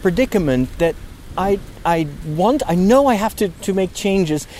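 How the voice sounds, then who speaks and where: A man with a sore throat thinking aloud about his fatigue as he walks outdoors in a park, speaking haltingly with many restarts. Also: high-pitched, expressive, warm tone, a little hiss or hum. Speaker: podcast host. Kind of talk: casual spoken reflection, walking outdoors. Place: outdoors in a park near road works.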